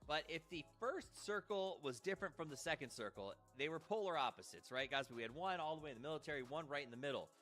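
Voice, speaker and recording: A male esports caster leads the live broadcast with a bright, forceful voice that sits a touch high. He keeps things upbeat and throws questions to his co-hosts. Faint music runs underneath. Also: animated, quick pace, hardly any pauses. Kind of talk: live tournament commentary.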